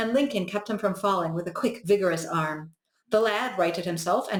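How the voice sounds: The background stays quiet. Pitch variation in the natural reading voice is ordinary.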